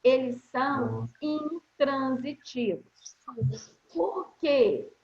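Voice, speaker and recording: A woman teacher with a Brazilian Portuguese accent, explaining grammar to schoolchildren in an online class, speaking slowly and deliberately and often checking whether they follow. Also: high voice, darkish tone. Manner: slow, deliberate explaining with frequent check-in questions. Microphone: video call. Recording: roomy, slightly dull video-call audio.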